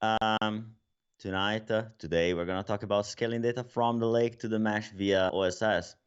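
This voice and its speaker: Low-voiced Italian man in his 30s, chatty conference speaker with fillers, dull headset audio. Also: steady tone, moderate pace, clean tone. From Italy. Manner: casual storytelling with many fillers. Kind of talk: tech conference talk. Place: home room, at night. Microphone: headset over cap, video call. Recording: dull lo-fi video call audio.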